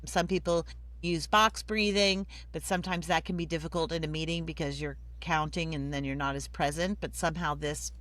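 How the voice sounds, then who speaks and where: A woman's voice: low voice, fairly even intonation, a little fast, a bit bright, no room sound. A woman hosting a live show, upbeat and enthusiastic, chatting casually with many restarts. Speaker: host.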